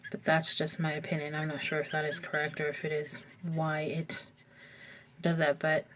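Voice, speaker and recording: A woman with a somewhat low, slightly froggy voice talks casually through her coloring technique, thinking aloud as she works. It has the easy, unhurried feel of a hobby tutorial voice-over. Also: monotone, pushed and bright, slight background noise. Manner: chatty, thinking aloud while working.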